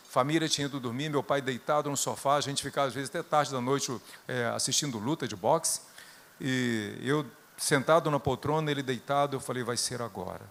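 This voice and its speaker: A middle-aged Brazilian man with a Brazilian Portuguese accent, preaching a sermon built on personal stories, rising to loud bursts and dropping to hushed tones. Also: medium pitch. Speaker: guest preacher.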